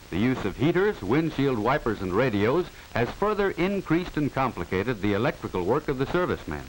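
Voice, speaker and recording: This is scripted narration from a 1940s educational film, read by an American man in a mid-range voice. He sounds formal and instructive, with clear enunciation. The recording is low quality, with steady hiss from the old soundtrack.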